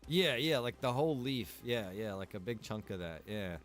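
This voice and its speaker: An American man with a fairly low voice streams a video game and chats as he plays. His talk is loose and rambling, full of slang and the odd mild swear word. Music plays clearly behind him. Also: animated, moderate pace, a bit bright. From Pennsylvania, United States. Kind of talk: casual gameplay chat.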